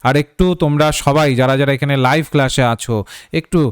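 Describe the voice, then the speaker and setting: Clear-voiced man teaching a live class. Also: on the high side, steady tone, quick pace, dry recording, clean studio sound. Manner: explanatory, repeats key points, asks rhetorical checks. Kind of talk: live online lecture.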